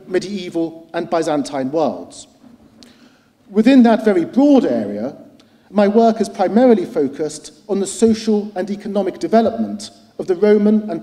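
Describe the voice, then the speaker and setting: A middle-aged man giving a formal lecture as a historian. He speaks in a measured, articulate way with frequent hesitant "uh"s. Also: high voice, warm tone. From United Kingdom. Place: lecture hall at a cultural centre. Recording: long reverb of a large hall.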